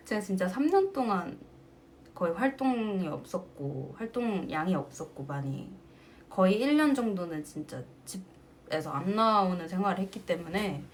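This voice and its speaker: A woman's voice: lowish voice, slight background noise. A woman singer casually chatting with her fans on a livestream, telling stories with frequent laughter, recorded on a phone mic. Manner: animated storytelling, often breaking into laughter. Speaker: singer hosting a fan livestream.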